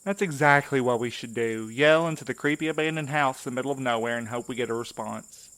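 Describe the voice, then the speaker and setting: A man's voice: mid-range voice, fast talker, a bit bright, smooth, dry recording, natural voice, rough recording. A man playing a wary, sarcastic night courier in an audio drama, with a wry, informal way of talking. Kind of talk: naturalistic audio drama acting.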